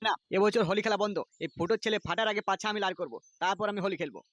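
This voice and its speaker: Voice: mid-range voice, racing, fairly bright tone, no echo, lightly acted. An actor voicing an irritable male club boss in a comic cartoon, scolding in coarse slang with a West Bengal accent. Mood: stern.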